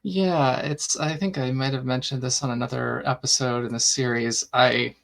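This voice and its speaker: A man's voice: mid-range voice, steady tone, moderate pace, creaky, fairly bright tone. A man hosting a podcast, asking questions in a rambling, casual way with many fillers. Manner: rambling, filler-heavy, friendly asides. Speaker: podcast host. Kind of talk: casual interview talk.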